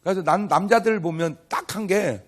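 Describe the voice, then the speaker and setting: An older man, a pastor, speaks in a high-sitting voice at normal speed. His revival sermon to the live congregation is funny and chatty, packed with storytelling, acted dialogue, and questions and banter aimed at the crowd.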